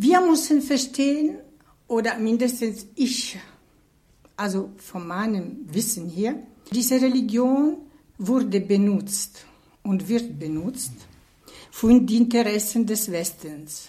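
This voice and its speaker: Her fairly high, somewhat breathy voice has a dark, mellow tone and lively intonation. The woman speaks very slowly, with long, frequent pauses. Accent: Italian. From Italy. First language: Italian (speaking German). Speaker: artist. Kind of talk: radio panel discussion.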